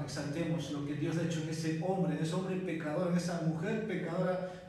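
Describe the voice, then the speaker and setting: Man, pastor, earnest sermon, fairly high voice, strong church echo. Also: a little mellow. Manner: earnest, repeatedly addresses listeners as brothers, with thinking fillers. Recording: very echoey church hall, voice from far off.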